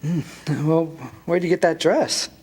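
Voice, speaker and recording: An actor playing an awkward, stubborn young small-town man in love, stammering and halting in a staged radio drama reading. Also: a little high, fairly even intonation, darkish tone, slightly rough. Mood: flustered, evasive. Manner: stammering, halting, repeating words. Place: stage, live broadcast reading. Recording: noisy live stage microphone recording.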